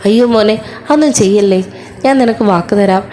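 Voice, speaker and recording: A woman voicing a gentle, self-sacrificing young elder sister who soothes and begs her brother while retelling a serial. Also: medium pitch, fairly quick, close to an everyday voice. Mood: pleading.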